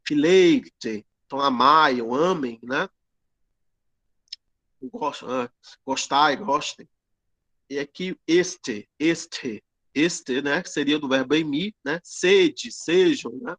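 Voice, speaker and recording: A man teaching an online grammar lesson, explaining slowly with many fillers and tag questions. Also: fairly high pitch, fairly bright tone, no echo. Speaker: Greek teacher.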